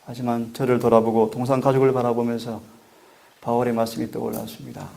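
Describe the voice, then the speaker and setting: A middle-aged man delivers a sermon as a pastor, speaking in an earnest, measured way. His voice sits at an ordinary pitch with a gravelly edge. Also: flat delivery, dark tone. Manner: earnest, measured preaching with prayer requests.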